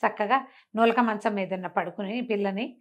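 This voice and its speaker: A woman telling a comic folk tale in an animated, conversational way, often repeating phrases. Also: medium pitch, normal speed. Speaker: storyteller.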